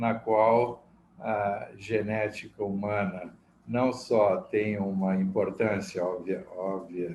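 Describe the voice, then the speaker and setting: A man talks at a very slow pace. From Brazil, São Paulo then Rio de Janeiro. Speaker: physician and medical researcher. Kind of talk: interview. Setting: video call. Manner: hesitant, with fillers.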